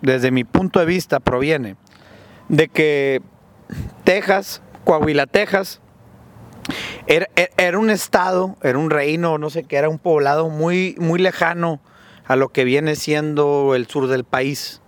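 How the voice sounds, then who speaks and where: A man's voice: on the high side, unhurried. A man with a northern Mexican accent, hosting a casual podcast chat and joking in slang as he lays out his theories. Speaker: podcast host.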